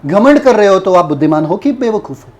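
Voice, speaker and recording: A man's voice: high voice, sing-song, fairly quick, a little mellow, a little hiss or hum. A man preaching a Bible lesson who keeps asking his listeners questions and repeating their answers. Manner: mocking role-play of a foolish person. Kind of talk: Bible teaching sermon.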